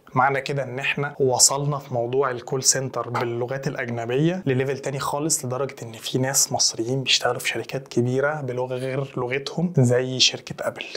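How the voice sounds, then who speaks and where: A man's medium-pitched, flat monotone with hardly any pauses, over noticeable background noise. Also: moderate pace. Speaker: YouTuber and consultant on life in Germany. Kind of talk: casual vlog monologue. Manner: conversational, informal.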